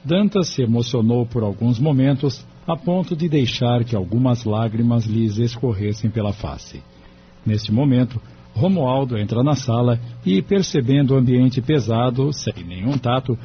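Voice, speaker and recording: A man's voice: mid-range voice, lively intonation, normal speed, a little hiss or hum. Man narrating an audiobook, muffled.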